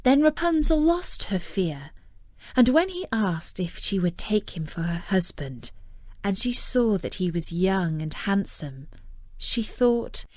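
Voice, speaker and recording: Slow, expressive female storyteller. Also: mid-range voice, no echo, clean studio sound. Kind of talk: scripted fairy tale narration.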